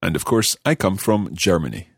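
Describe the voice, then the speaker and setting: Low husky man hosting a language lesson. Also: big pitch swings, moderate pace, dry recording, clean studio sound. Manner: careful, enunciating learner pronunciation. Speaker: language course host. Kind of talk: podcast language lesson, repeating phrases slowly.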